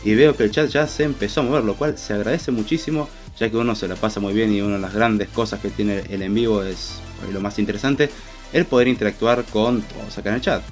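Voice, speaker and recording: Congested man with a low voice, Rioplatense accent. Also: fast, faint music behind. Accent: Rioplatense Spanish. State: congested with a cold. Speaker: podcast host. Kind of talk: casual live-stream podcast chat.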